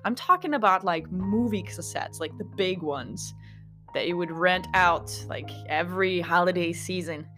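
Her voice on the low side and a bit bright, a woman in her thirties from Kosovo speaks at a moderate pace with soft music behind her. She hosts a podcast in a casual, rambling monologue with asides to listeners, in American-influenced English.

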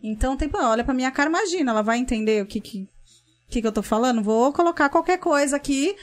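A young woman speaks with a Brazilian Portuguese accent and a high-pitched voice. She answers as a school principal in an earnest, outspoken way, often restarting her phrases. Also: lively intonation, fast talker. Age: young adult. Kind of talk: interview guest on a livestream.

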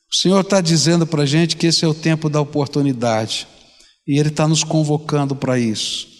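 An older Brazilian man preaching a fervent sermon to his congregation, often asking them direct questions. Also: on the high side. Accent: Brazilian Portuguese. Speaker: pastor. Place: large church sanctuary. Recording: long reverb of a large church hall.

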